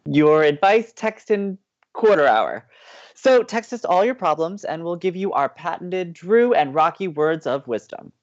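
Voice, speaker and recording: A man's voice: fairly high pitch, lively intonation, measured pace, lo-fi sound. A man playing an upbeat, playful young college radio co-host with an American accent, teasing and eager, in audio drama banter. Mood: playful, cheery. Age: young adult.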